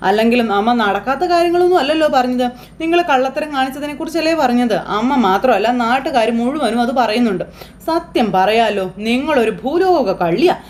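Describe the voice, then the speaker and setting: A woman's voice: high voice, expressive, fairly quick, a little mellow, slight background noise. A woman doing a mocking young serial heroine. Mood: scornful. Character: sharp-tongued young woman, mocking and cheeky.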